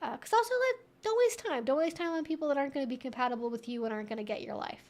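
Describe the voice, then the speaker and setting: A woman hosting a casual question-and-answer livestream, talking in an animated, emphatic way with conversational asides. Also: high-pitched, very fast. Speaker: livestream host.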